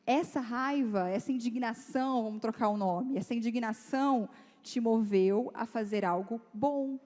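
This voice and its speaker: A woman's voice: on the high side, moderate pace. Chatty woman speaker in a reverberant hall. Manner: lively, chatty, acts out dialogue in quoted voices. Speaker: guest speaker at a youth church meeting. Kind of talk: informal talk to teenagers. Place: church hall. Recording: long reverb of a church hall.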